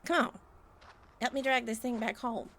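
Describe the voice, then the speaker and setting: A woman's voice: on the high side, steady tone, moderate pace, fairly bright tone. A woman playing a hungry, snarky scavenger demon in a comedic audio drama, casual and dismissive. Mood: grumbling.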